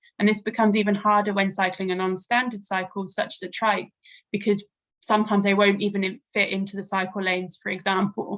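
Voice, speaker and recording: A woman speaks in a British accent at a medium pitch. Her delivery is fairly quick, with a flat, monotone intonation. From Britain. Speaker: researcher. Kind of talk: panel talk. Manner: fast.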